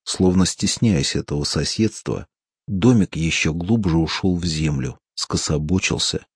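A man doing scripted audiobook narration in a steady, measured storytelling manner. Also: sits low, breathy edge, no room sound, clean studio sound.

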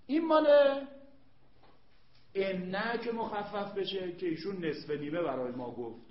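A man's voice: high-pitched, animated, a little hiss or hum. A man teaching an Arabic grammar lesson, emphatic, repeating points and quizzing his students. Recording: echoey room, dull lo-fi sound.

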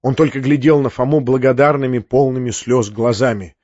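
A man narrating a classic novel as an audiobook, telling it in a lively way. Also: mid-range voice, fairly quick, no room sound, lo-fi sound. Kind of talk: scripted narration.

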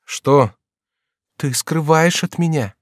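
A man's voice: slow, no room sound, clean studio sound. A man voicing an anxious young noblewoman. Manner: high excitable exclamations. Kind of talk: audiobook reading.

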